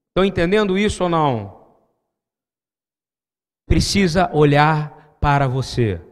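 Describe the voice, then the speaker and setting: A man's voice: a little high, big-room sound. A man preaching a sermon emphatically, calling out questions to the congregation.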